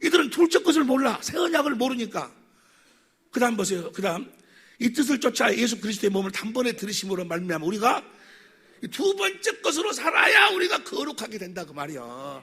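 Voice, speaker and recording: Raised and projected, a man's extremely high voice has a bright, sharp tone, very wide pitch swings and a fairly quick pace. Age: 60s. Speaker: pastor. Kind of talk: sermon.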